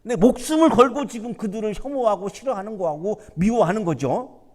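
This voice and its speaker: A male pastor preaching an animated sermon, asking his congregation questions and acting out the voices in the story. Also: sits high, a little fast. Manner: asks the congregation rhetorical questions. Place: university church sanctuary. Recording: long church hall reverb.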